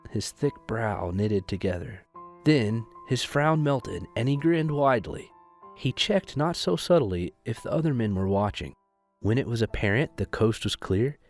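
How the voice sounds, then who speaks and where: A man with a fairly low voice narrates a dramatic story as scripted fiction. Soft music plays behind him.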